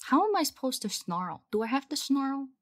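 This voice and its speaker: A woman's voice: high voice, big pitch swings, normal speed. A woman voice actor talking casually to herself in an outtake. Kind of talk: casual blooper outtake chat.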